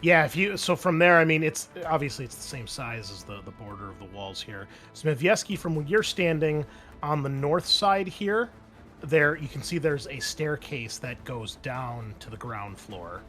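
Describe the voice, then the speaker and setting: A man's voice: a little high, animated, normal speed, a bit bright. Man game master explaining over music. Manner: conversational, explanatory. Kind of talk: improvised narration of a tabletop game.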